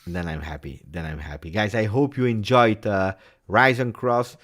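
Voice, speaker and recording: A man hosting a casual live stream, talking in an animated way with many fillers and repeated words. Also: fairly low pitch, moderate pace. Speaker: host of a fan channel.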